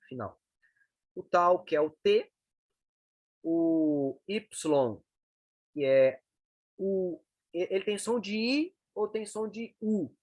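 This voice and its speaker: A man teaches a lesson on reading Greek letters. His voice sits a bit high, and the recording is dry and close with no room sound. He explains patiently and keeps checking in with short tag questions. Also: dry recording. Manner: explanatory, frequent checking tags like "né" and "tá".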